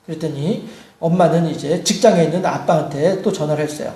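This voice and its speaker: A male pastor delivers a sermon in a high voice that rings through an echoey church room. He tells stories, acts out the people in them, and builds to shouted peaks. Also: a little fast. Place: church sanctuary.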